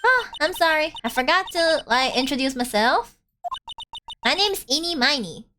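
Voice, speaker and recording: A woman's voice: high-pitched, big pitch swings, moderate pace, music in the background. A woman voicing a bubbly, ditzy young sorority-type college student in a video game, with an airheaded Valley Girl accent. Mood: ditzy, casual.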